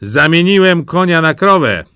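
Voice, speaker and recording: A man's voice: fairly high pitch, sing-song, moderate pace, sharp tone, smooth, no room sound, clean studio sound, pitched above the performer's own voice, full character voice. A man voicing a simple, good-natured old farmer who speaks earnestly, in a storybook reading.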